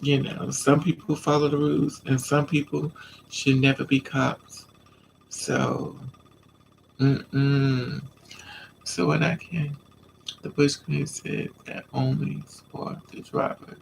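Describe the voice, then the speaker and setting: A man's voice: fairly high pitch, slow pace, vocal fry, slight background noise, low-quality recording. A man with a stuffy nose from a coming cold, chatting casually on a live stream and answering viewers' comments. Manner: relaxed, chatty, talks back to commenters.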